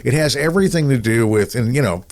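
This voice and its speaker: A man's voice: medium pitch, expressive, quick pace. A middle-aged American man chatting casually as a podcast host, with a rambling, wry, self-deprecating manner. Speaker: radio broadcaster, podcast co-host. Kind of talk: casual chat.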